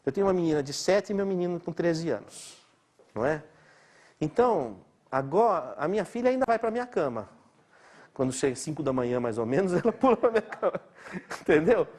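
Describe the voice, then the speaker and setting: A man's voice: a little high, expressive, a little fast, darkish tone. A middle-aged man from Brazil giving a chatty, informal lecture, laughing often and asking his listeners rhetorical questions. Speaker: doctor lecturing.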